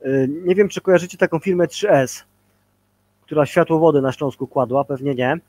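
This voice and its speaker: A man's voice: a little high, moderate pace, a little mellow. A man in his forties talking casually on a video call as a guest leadership trainer, rambling with many fillers and tag questions.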